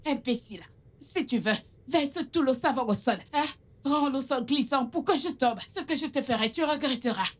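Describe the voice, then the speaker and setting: Harsh scolding aunt, high voice, insulting, threatening. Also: female voice, moderate pace. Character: cruel scolding aunt, older woman, bitter and harsh. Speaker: abusive aunt. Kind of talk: dubbed film drama.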